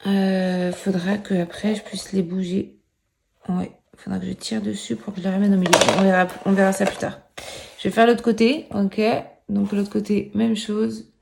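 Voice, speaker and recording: A woman's voice: medium pitch, level tone, normal speed, vocal fry, noisy background. A woman hosting a crafts tutorial, chatty and playful, mocking herself, swearing casually and counting knots aloud as she works. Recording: roomy echo.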